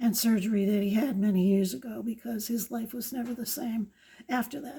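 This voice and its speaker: Somewhat breathy and dark, mellow in tone, a woman's fairly high voice holds a fairly even intonation. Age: 70s. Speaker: widow. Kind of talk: casual talk to camera.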